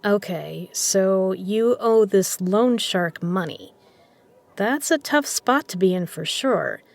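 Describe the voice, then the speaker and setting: Casting: actress for a shrewd underground casino boss and poker legend, medium-pitched, measured and persuasive, for an audio drama. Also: female voice, animated, creaky. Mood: probing, firm. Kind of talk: scripted audio drama dialogue.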